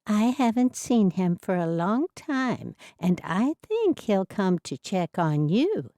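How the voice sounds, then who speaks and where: A fussy, protective Amish hostess, as a woman reader puts her on in a storybook, her voice lifted well above the narration. She sounds dark and mellow, close and dry. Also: mid-range voice, sing-song, slow, dry recording, pitched above the performer's own voice. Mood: concerned.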